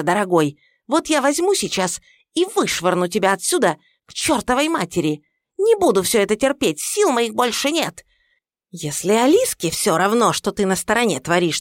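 A woman's voice: on the high side, sing-song, normal speed, no echo, studio quality, pitched above the performer's own voice. A woman voicing an older, domineering mother-in-law who scolds her son-in-law in a raised, indignant voice, read as an audiobook character. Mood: furious.

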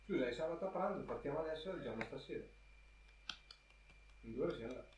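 A man's voice: mid-range voice, expressive, fast, a little mellow. A man playing a tabletop game, chatting casually in a blunt, slangy, sweary way. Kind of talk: casual chat during role-play game. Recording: echoey room, faint noise.

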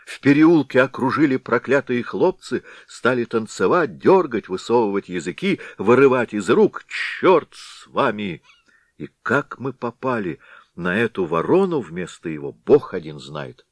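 Man as frightened constables in a storybook reading, pleading and excited, dry recording. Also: medium pitch, a little slow, hardly any pauses, dry recording, voice pushed up. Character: frightened village constables, men. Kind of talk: audiobook reading.

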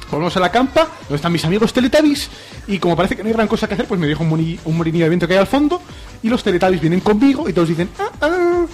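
A man co-hosting a comedy podcast, telling a comic story about a video game in an animated way, often laughing and jumping into squeaky voices. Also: very fast, soft background music. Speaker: podcast co-host.

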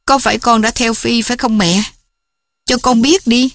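A woman's voice: a little high, fairly even intonation, moderate pace, no room sound, clean studio sound, voice pushed up, natural voice. A woman voicing a fragile young woman who pleads with her family. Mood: distraught. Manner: pleading, tearful.

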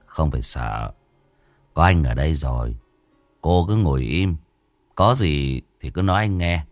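A man voicing a calm young exorcist who speaks in a measured, commanding way. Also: deep voice, no echo, faint music behind.

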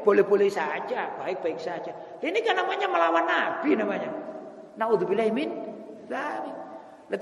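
High gravelly East Javanese preacher. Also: male voice. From East Java. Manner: lively, keeps asking the male audience to agree. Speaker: Islamic preacher. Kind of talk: sermon. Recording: echoey hall with long reverb.

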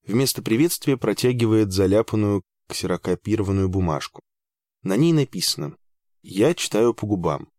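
A man narrating a first-person audiobook in an even, measured way with dry understatement. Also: fairly low pitch, no echo.

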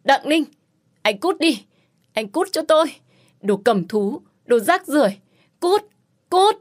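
A woman voicing a young woman who is grieving, pleading and shouting in an audiobook. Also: sits high, very animated, unhurried, no echo, clean studio sound, voice pushed up. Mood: furious. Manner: shouting and sobbing pleas. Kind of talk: audiobook character voice.

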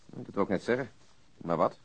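A police detective in a radio play, low-voiced and slightly husky. He is calm and laconic, with an understated, dryly ironic delivery. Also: normal speed. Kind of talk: radio drama acting.

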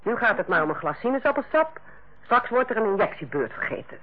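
An actress playing a stern, sarcastic head nurse who lectures and bites in a Dutch radio play. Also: female voice, mid-range voice, very animated, a little fast. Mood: cold, commanding. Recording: muffled old radio play recording.

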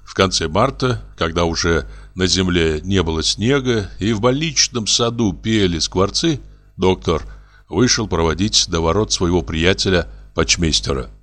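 Expressive male audiobook narrator. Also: low-pitched.

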